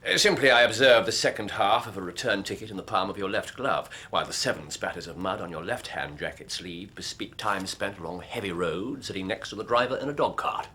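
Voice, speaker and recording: Sharp detective, lowish voice, bright and bouncy, radio play hiss. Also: male voice, brisk, hardly any pauses. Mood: confident. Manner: crisp, lively, precise delivery. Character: brisk, observant male detective, confident and precise. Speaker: actor in radio drama. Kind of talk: radio drama acting.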